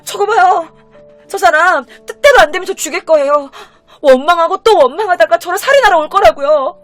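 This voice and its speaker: A woman's voice: on the high side, normal speed, faint music behind, natural voice. A woman voicing a frightened young woman who pleads tearfully in court. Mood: pleading.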